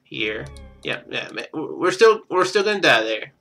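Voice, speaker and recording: Guy streaming a game, kinda high bright voice, mutters and thinks out loud. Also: sing-song, moderate pace, creaky. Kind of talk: casual live game commentary, reading on-screen text aloud.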